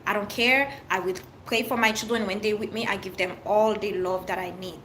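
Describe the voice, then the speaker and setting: A woman's voice: medium pitch, steady tone, brisk, fairly bright tone, low-quality recording. Livestream host: middle-aged Haitian woman, French accent, candid and earnest, faint background hiss. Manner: open, earnest, speaks in short fragments with restarts. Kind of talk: casual livestream chat answering viewers.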